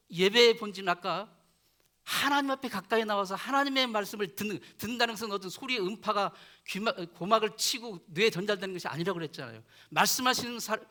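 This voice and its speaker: A male pastor preaching a sermon in earnest, often letting his voice fall soft at the ends of phrases. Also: sits high. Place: church chapel.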